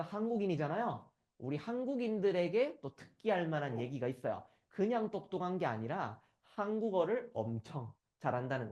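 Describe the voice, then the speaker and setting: A man from the Gyeongsang region delivers a conference lecture in a voice pitched a bit high that swings up and down with lively energy. He keeps turning to the audience for agreement. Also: lo-fi sound. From Gyeongsang region, South Korea. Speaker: conference speaker.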